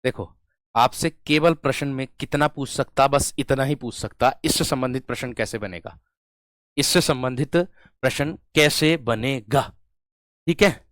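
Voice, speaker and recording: A young adult man teaching an exam-prep lesson, repeating key terms and dictating notes, moving between loud emphatic bursts and quiet dictation, and calling his students friends. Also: medium pitch, no echo, studio quality. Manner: repeats key terms, drills phrases slowly, checks in with students. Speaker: Hindi teacher.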